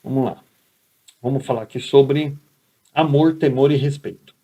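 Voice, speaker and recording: A man's voice: mid-range voice, normal speed, mellow, slightly rough. A man with a Brazilian Portuguese accent giving a recorded lecture as a teacher, talking conversationally and often checking in with his listeners.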